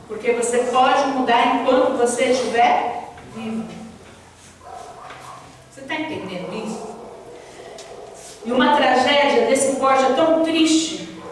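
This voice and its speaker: A woman pastor preaching a sermon, asking the congregation direct questions. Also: fairly high pitch. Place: church hall. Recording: echoey church hall from far off, faint noise.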